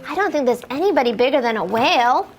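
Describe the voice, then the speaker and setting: A woman reading picture books aloud to young children in an animated, encouraging way, asking them questions and playfully exclaiming the action words. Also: high voice, fast talker, over music. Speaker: storytime reader for young children.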